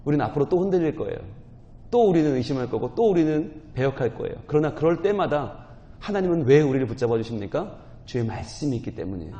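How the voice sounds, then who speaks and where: A man's voice: on the high side, fast talker, highs cut off. A male pastor preaching a dawn prayer sermon, leading his congregation in reading scripture aloud and acting out the voices in the story. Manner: acts out God's and Moses' words in lively quoted voices. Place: church sanctuary. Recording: long church hall reverb.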